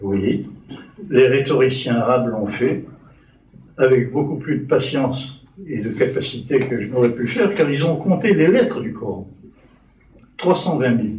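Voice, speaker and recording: A man's somewhat breathy, medium-pitched voice, fairly slow, with lively intonation and long, frequent pauses. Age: 80s+. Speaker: scholar and translator. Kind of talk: lecture.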